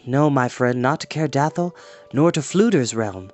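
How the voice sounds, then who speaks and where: Young male storybook hero, voiced by a reader, medium pitch, earnest, resolute, measured, solemn. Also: expressive, darkish tone, faint music behind, natural voice. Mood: thoughtful, resolute. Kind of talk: storybook character reading.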